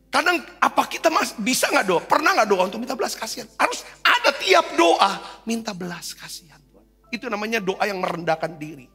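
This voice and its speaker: A man's voice: very high voice, vocal fry, bright, forceful tone, husky, long reverb tail. A male pastor preaching a sermon in a conversational, exhorting way, often calling for an amen and asking rhetorical questions. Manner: exhorting, repeatedly asks for amens.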